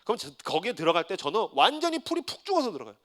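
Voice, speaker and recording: A male pastor in his forties preaching a sermon, telling his story with humor and swinging from hushed confession to loud defiance. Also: high voice, wildly swooping pitch, very fast. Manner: swings from hushed tearful confession to shouted defiance, acting out his own prayers.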